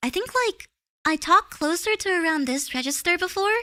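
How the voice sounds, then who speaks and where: A woman's squeaky, put-on character voice at an extremely high pitch, with very wide pitch swings and a fairly quick pace. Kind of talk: higher register, older speaking voice.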